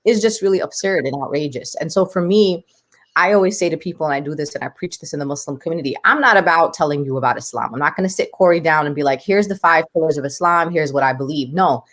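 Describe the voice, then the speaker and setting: New lady talking passionate and emphatic in an interview, pretty low voice. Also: fast. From United States. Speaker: guest. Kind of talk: podcast interview.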